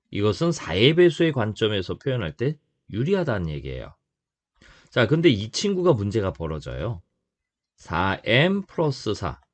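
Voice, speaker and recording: A male math teacher with a fairly low voice explaining at the board. His pitch rises and falls a lot, and he keeps repeating key phrases and asking whether the class follows. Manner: lively, repeats key phrases, checks in with students. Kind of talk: whiteboard math lecture.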